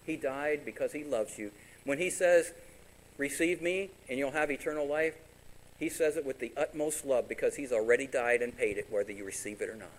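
A man preaching a sermon as pastor, animated and direct, sometimes voicing imagined congregants. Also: medium pitch, brisk, poor audio.

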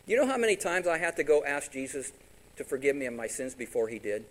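A man preaching a sermon as pastor, animated and direct, sometimes voicing imagined congregants. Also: medium pitch, fast, low-quality recording.

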